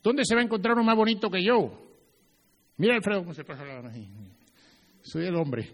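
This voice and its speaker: High-voiced male pastor preaching. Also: quick pace, long reverb tail. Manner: animated preaching, acts out little scenes. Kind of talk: sermon.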